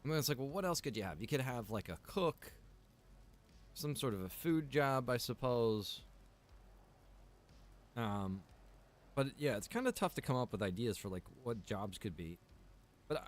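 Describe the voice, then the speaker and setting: A man's voice: medium pitch, very animated, moderate pace, pauses often. A man with a mid-range voice talks to his livestream viewers as host. His style is casual and chatty. He rambles and halts as he goes, dropping in informal asides. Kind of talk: casual chat to stream viewers.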